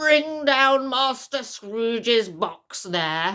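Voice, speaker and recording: In a put-on character voice, a female-sounding speaker shouts very slowly, high-pitched, raised and projected. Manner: terrible, booming shout.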